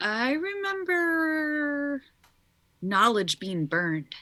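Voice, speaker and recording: A put-on character voice that sounds female, pitched high for a woman, moving at a very slow pace with very wide pitch swings. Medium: actual play.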